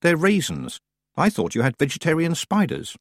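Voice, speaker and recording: Storybook girl witch acted by a man: raised, lively pitch, curious, sharp, earnest and questioning. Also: moderate pace, dry recording, studio quality, exaggerated voice. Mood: shrewd. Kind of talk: audiobook character voice.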